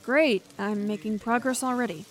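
Brash, wry actress as a woman scientist, slightly high. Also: moderate pace, soft background music, close to an everyday voice. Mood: dry, teasing. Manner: wry, casual, slangy, blurting. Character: brash, flippant, awkward woman scientist with four doctorates. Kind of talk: naturalistic audio drama acting.

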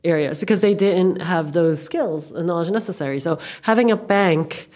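A woman's voice: on the low side, moderate pace, a little mellow. An American woman speaking as a guest in a casual panel discussion, chatty and emphatic, often repeating words for stress. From New York, United States. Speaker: podcast guest, banking professional.

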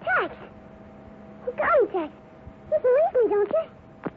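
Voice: very high-pitched, big pitch swings, unhurried, exaggerated voice. A performer playing an earnest, headstrong young ranch boy in a 1950s radio western, on a scratchy, tinny recording. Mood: urgent, pleading. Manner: earnest, exclamatory.

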